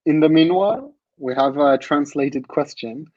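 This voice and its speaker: A young man whose first language is Hebrew, asking questions as co-host on a video call, halting with many pauses. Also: fairly high pitch, no room sound. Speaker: meetup co-host. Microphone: video call webcam. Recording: dull lo-fi call audio.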